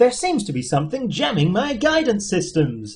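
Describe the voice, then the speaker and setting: Using a put-on character voice, the speaker moves at a moderate pace with very wide pitch swings. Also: man, high pitch for a man. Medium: read story. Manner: bright, cheerful, casual.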